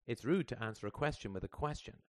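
A man's voice: medium pitch, lively intonation, quick pace, a little mellow, no echo, studio quality, close to an everyday voice. A man voicing a tight-lipped mother who sounds strained and evasive.

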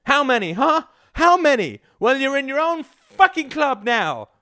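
A man's voice: a little high, huge pitch swings, takes it slowly, darkish tone, dry recording, studio quality, pitched above the performer's own voice, exaggerated voice. Guy doing a goofy whiny husband in an audiobook, taunting, wounded, voice jumps all over. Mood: outraged. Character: oafish, mocking husband, wounded and blustering.

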